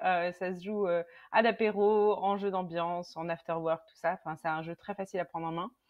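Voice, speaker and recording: This is a woman speaking. Her pace is moderate. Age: 30s. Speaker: entrepreneur, board game creator. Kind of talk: podcast interview. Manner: casual, many hesitations.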